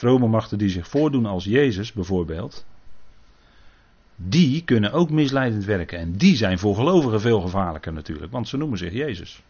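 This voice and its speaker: A man's voice: lowish voice, expressive, moderate pace, darkish tone, slightly rough. A man teaching a Bible sermon, earnest and cautious, often checking in with his listeners. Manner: frequent tag questions, earnest and cautious. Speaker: preacher. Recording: dull lo-fi recording.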